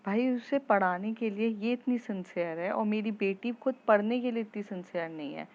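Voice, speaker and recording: A woman's voice: mid-range voice, moderate pace, a little mellow, lo-fi sound, close to an everyday voice. A woman voicing a scolding but affectionate mother of a teenage girl, in a storybook reading. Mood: chatty.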